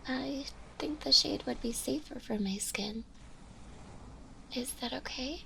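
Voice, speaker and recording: Woman as a slow, whispery, shy zombie girl. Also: sits high, a little hiss or hum, exaggerated voice. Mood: tentative, gentle. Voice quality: soft, breathy, often whispering. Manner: hesitant, bashful, halting with small giggles. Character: shy, gentle, insecure undead zombie girl. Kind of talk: ASMR roleplay.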